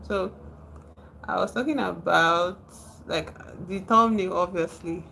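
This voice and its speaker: A woman's voice: lowish voice, slow pace, vocal fry, pushed and bright, slight background noise. A woman from Nigeria with a Nigerian accent, chatting casually on a livestream, reading out and answering viewers' comments and laughing often.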